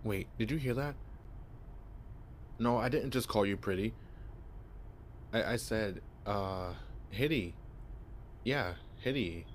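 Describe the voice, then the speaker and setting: A man's voice: on the low side, takes it slowly, long pauses, slight background noise. A young man voicing a shy, clueless male vampire in an ASMR roleplay, stammering nervously as he pretends to be human. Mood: flustered, awkward. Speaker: voice actor.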